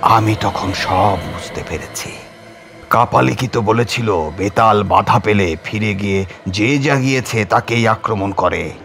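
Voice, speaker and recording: A man's voice: deep voice, vocal fry, fairly bright tone. A man narrating a horror audiobook in a theatrical, suspenseful manner. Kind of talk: dramatic scripted horror story narration. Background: music.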